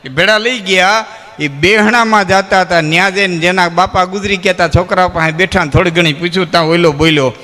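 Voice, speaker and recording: A man's voice: high-pitched, fairly even intonation, fairly quick, sharp tone, big-room sound. A man telling folk jokes and moral stories on stage, often addressing the audience as friends. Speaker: folk storyteller and comedian. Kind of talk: live folk humor storytelling on stage.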